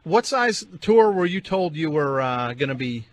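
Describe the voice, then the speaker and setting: A male radio host with a slightly raised pitch who interviews a caller in a dry, deadpan way. He needles the guest and patiently corrects him. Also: unhurried.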